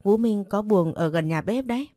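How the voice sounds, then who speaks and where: A man's voice: high voice, expressive, moderate pace, mellow, no room sound, studio quality. A woman reading the part of a teasing, possessive young master of the house, in a storybook. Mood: firm. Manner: teasing and bossy.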